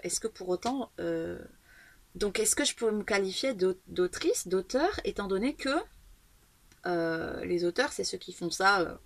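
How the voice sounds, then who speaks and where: A woman in her thirties muses about her craft in a relaxed, personal monologue, often pausing and restarting as she gathers her thoughts. Her voice sits at an ordinary middle pitch. The sound is close and dry, with no room echo. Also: vocal fry. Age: 30s. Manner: thoughtful, hesitant, many fillers and restarts. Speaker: author and video blogger. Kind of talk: casual reflective monologue.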